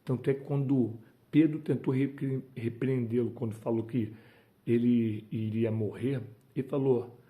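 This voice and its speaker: Fervent male preacher, very warm voice. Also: mid-range voice, fairly even intonation, measured pace. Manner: fervent, emphatic, with exclamations of praise. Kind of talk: devotional sermon.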